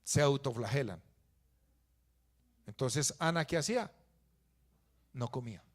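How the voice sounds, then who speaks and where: A man preaching a sermon, swinging from loud emphatic peaks to quiet, low asides. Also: expressive, a little slow. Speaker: pastor.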